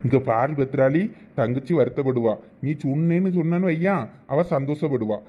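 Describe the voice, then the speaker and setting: A man's voice: medium pitch, normal speed, dull audio, close to an everyday voice. A man voicing a patient, placating husband and big brother in a cartoon, coaxing in a Thoothukudi Tamil accent. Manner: coaxing, reasoning. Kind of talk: dialect cartoon family comedy dialogue.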